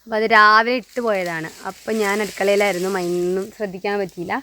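A vlogger and mother chats to viewers while climbing a hillside plantation with her small daughter, sounding a little out of breath. Her medium-pitched voice is steady, quick, bright and forceful in tone, with a little hiss or hum behind it.

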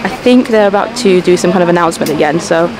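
A woman's voice: lowish voice, fast talker, a crowd in the background, rough recording. A young woman vlogging from an airplane seat, chatty and enthusiastic as she shows things to camera, filmed at arm's length. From Persian-speaking family. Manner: chatty and enthusiastic, easily impressed. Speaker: travel vlogger. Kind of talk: casual travel vlog chat to camera. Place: airplane business class cabin. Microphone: handheld camera at arm's length. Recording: background music under the voice.

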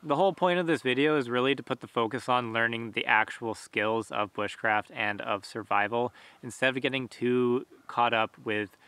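A man in his thirties, a bushcraft channel host, talking casually to camera outdoors in a forest, relaxed and conversational with plenty of fillers. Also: medium pitch, moderate pace, hardly any pauses, clear, resonant tone, no room sound. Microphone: camera at close range.

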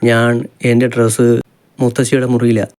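A man's voice: medium pitch, monotone, moderate pace, darkish tone, close to an everyday voice. Guy reading as a stubborn teary young wife, pleading and defiant, audiobook. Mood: sulky.

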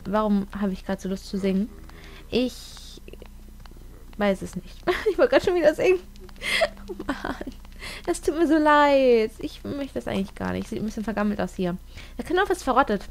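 High-voiced playful young woman gamer. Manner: playful, sings and jokes, reads game text aloud. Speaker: let's player. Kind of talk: game commentary.

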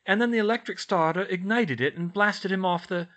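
A man voicing a clever young witch girl in a storybook, brisk, practical and reassuring. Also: high voice, a bit bright, voice pushed up. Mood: soothing, explaining.

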